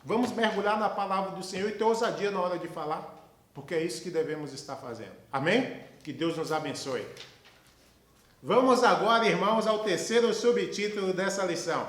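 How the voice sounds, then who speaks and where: A man from Brazil leads a Sabbath school lesson with an emphatic, preachy delivery full of rhetorical questions. His voice sits high for a man. The room gives it a noticeable echo. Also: a bit bright. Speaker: lesson host.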